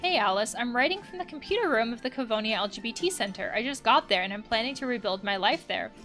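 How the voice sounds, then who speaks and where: A woman reads the part of a troubled young trans woman of eighteen in a video game. The voice is fairly high, earnest and confessional, over faint music. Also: lively intonation, fast talker, fairly bright tone. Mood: relieved, confiding. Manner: confessional, reading out written messages.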